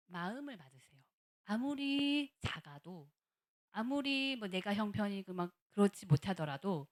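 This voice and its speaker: A woman lecturing to a church audience in a lively, animated voice that swings widely up and down. Her voice sits a little higher than most women's. She keeps asking the room questions and acts out the words of the people she talks about. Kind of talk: church lecture on counseling psychology.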